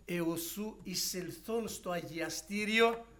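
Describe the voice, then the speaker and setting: Fervent high-voiced male preacher. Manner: swings from hushed storytelling to loud fervent exclamations; acts out dialogue in quoted voices. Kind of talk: evangelical sermon.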